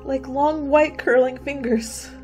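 A woman's voice: high voice, fairly even intonation, slow pace, a little mellow, soft background music. A woman playing an anxious, timid young college student in a radio play, hesitant and easily startled. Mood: frightened awe.

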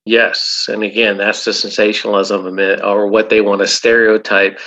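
A man's voice: fairly low pitch, level tone, moderate pace, bright, forceful tone, rough recording. A man, a hypnotherapist guest in an interview, talking emphatically and often repeating "absolutely". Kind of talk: casual interview talk.

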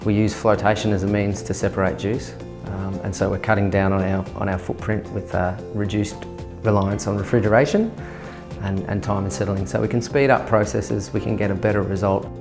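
A man, speaking as a winemaker in a filmed interview, measured and dotted with fillers. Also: on the low side, little pitch movement. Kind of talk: documentary interview. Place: indoor winery tasting room. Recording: music bed underneath.

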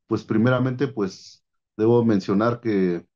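A man's voice: on the low side, dark tone. Man on a dull video call. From Oaxaca, Mexico. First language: Mazatec. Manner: unhurried, frequent "este" fillers. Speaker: interviewed artist. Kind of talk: video call interview answer. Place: small room with paintings on wall. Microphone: laptop webcam video call.

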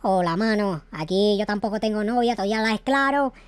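A man voicing a pushy, menacing Venezuelan character in a game role-play, talking in a gruff, threatening way with a Venezuelan accent. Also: sits high, fairly quick, no room sound, pitched below the performer's own voice, lightly acted. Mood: insistent.

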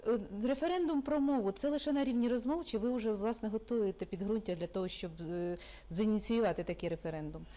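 A woman TV host asks a politician formal questions in a studio interview. Her voice is mellow, and she delivers her questions in an even, measured way. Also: fairly high pitch.

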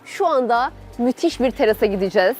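A woman's voice: a little high, expressive, brisk, darkish tone. A woman hosting a travel show, guiding viewers through an outdoor park in an enthusiastic, chatty way. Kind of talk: travel show presenting, part narration.

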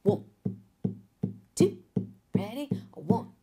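A woman's voice: fairly high pitch, very animated, takes it slowly, warm tone, slightly rough. An upbeat, encouraging woman in her thirties with an alto voice, teaching a guitar lesson to camera in a home studio and singing along. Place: home studio room, indoors. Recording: acoustic guitar playing under the voice.

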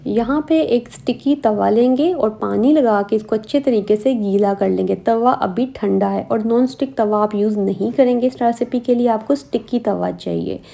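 A woman hosting a cooking lesson in voice-over, speaking. Her voice is very dark and mellow with a gravelly edge. She explains each step calmly and plainly. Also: on the high side, moderate pace, few pauses. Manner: calm step-by-step instructions. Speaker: cooking channel host. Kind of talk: recipe voice-over.

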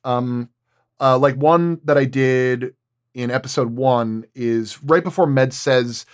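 Guy sound designer just chatting, mid pitch, kinda halting as he explains stuff. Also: smooth. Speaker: sound designer on an audio drama, guest. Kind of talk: casual roundtable chat.

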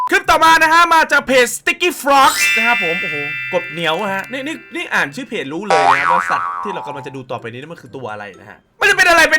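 A man hosting a casual reaction video, excitable and full of exclamations and swearing. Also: high-pitched. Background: background music.

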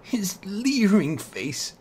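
Slow, anguished horror narrator, a woman. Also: medium pitch, sing-song, a little mellow, breathy edge. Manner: theatrical, anguished, deliberate. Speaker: amateur story narrator. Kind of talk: dramatic first-person horror narration. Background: music.

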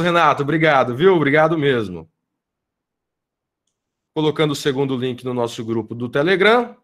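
A man's voice: fairly high pitch, a bit bright. A man with a Brazilian Portuguese accent, a law professor, gives an informal, effusive address to students in an online meeting, often tagging his sentences with "né?", heard over a video call. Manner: effusive, grateful, tags sentences with "né?". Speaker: law professor leading a research group.

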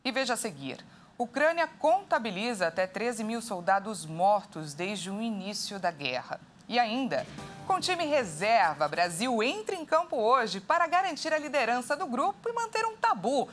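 A Brazilian woman anchors live TV news in a fairly high voice. She speaks into a lapel mic, with some noise and ambience behind her. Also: sing-song, normal speed, a bit bright. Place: TV studio with large windows.

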